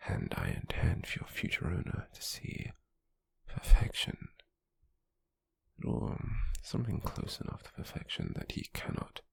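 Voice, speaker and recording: A British man acting a cold, possessive slave merchant in an ASMR roleplay, speaking formally and condescendingly in a breathy, gravelly half-whisper close to the mic. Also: extremely low pitch, no room sound, exaggerated voice. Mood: stern, controlling. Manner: slow, measured, formal, condescending. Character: cold, possessive male slave merchant, controlling yet intrigued captor. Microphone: close microphone, dry.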